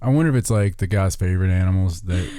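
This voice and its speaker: Mellow, low-voiced man joking around. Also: fast, clean tone, no echo, clean studio sound. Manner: irreverent, rambling storyteller. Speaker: podcast co-host. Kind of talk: casual, joking banter and anecdotes.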